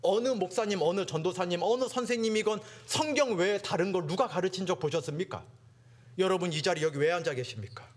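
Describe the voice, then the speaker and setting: A man preaching a dramatic sermon to teenagers, acting out mocking classmates and swinging from hushed to loud. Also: high voice, fairly quick. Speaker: youth preacher.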